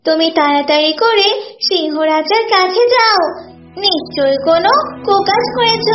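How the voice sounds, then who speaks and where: A woman voicing a tiny, earnest, bossy butterfly messenger in a children's cartoon, brisk and scolding. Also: very high-pitched. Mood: huffy. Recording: dull, echoey audio with music.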